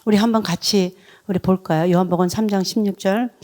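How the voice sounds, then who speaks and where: A woman's voice: medium pitch, steady tone, a little fast, warm tone. A middle-aged woman, a deaconess, tells her story as a testimony at a church revival, reaching out to the congregation. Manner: emotional storytelling, leads congregation in reading.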